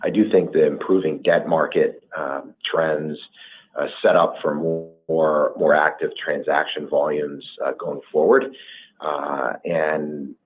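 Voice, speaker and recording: A man's voice: rumbling low, level tone, slow pace, faint music behind. A male company executive giving hesitant, careful answers on an earnings call over a phone line. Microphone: conference call line. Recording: tinny narrow phone line.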